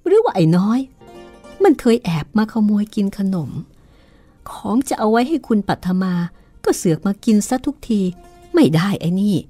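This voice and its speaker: A hoarse woman voicing a fussy, easily frightened old housekeeper in a horror novel read-aloud. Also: medium pitch, very animated, moderate pace, mellow, soft background music. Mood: suspicious. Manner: shrieking for help in panic. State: hoarse from a cold.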